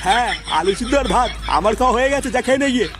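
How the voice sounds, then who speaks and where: A man voicing a grumpy, crude old grandfather in a comedy cartoon, with a pitched-up voice. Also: rapid-fire, heavy background noise. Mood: gruff, dismissive. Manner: scolding, dismissive, crude. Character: grumpy, foul-mouthed old grandfather and husband. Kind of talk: comic cartoon dialogue. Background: faint music.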